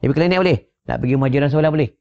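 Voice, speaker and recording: A man with a Malaysian Malay accent gives an informal religious talk, his mid-pitched voice gravelly and rough at the edges. He keeps it jokey and conversational, tossing quick "ha? eh?" checks to his listeners. The lapel-mic recording is dull and lo-fi. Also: mellow. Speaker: Islamic religious teacher. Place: private home gathering. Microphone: wireless lapel mic. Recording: dull lo-fi sound.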